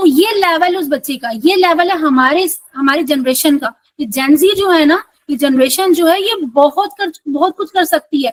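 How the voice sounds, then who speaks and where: A woman's extremely high-pitched voice rises and falls in lively intonation, recorded dry and close with no echo. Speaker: online course instructor. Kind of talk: live online workshop session.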